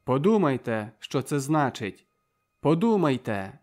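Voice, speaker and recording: Fiery young prisoner-soldier, read by a male narrator, sharp and impassioned, loud, pressing speech over faint music, medium-pitched voice. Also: big pitch swings, a little slow. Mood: urgent warning. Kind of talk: audiobook character voice.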